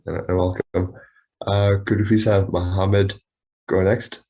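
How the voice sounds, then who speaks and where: A man's voice: low-pitched, little pitch movement, unhurried, mellow, poor audio. A man moderating an online meeting, politely calling on each speaker in turn over a video call. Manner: polite, formal requests. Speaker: webinar moderator.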